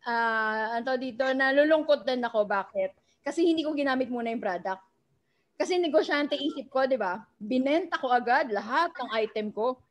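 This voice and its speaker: A woman's voice: high-pitched, muffled recording. A woman with a Filipino accent telling her personal story over a video call, chatty and always asking her listeners "right?". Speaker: guest speaker sharing her story. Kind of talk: personal testimony talk.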